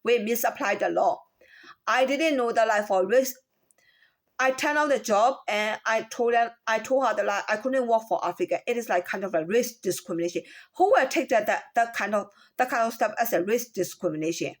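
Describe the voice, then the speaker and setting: A woman with a Chinese accent and a fairly high voice tells her own story of a workplace complaint. She speaks haltingly, restarting her phrases and repeating words. She keeps stopping to ask rhetorical questions. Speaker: former store employee. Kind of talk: personal account of a workplace complaint.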